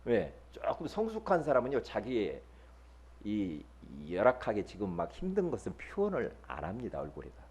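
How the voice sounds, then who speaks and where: A middle-aged male pastor preaching a sermon, emphatic, swinging from loud bursts to low murmurs and acting out quoted churchgoers. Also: wildly swooping pitch, husky. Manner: acts out quoted church members in quick asides.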